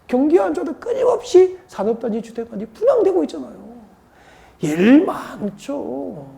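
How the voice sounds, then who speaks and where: A woman's voice: sits high, very animated, normal speed, creaky, mellow. A woman from Seoul giving an exam-prep lecture, firing rhetorical questions and drilling mnemonics by repetition. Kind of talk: classroom lecture.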